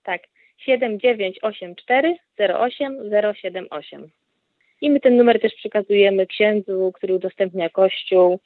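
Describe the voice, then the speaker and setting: A woman calling in to a radio show over the phone, making an appeal in a halting way with frequent hesitation sounds. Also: medium pitch, no room sound. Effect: radio show caller on a phone line. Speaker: caller to a radio program. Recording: tinny dry phone line.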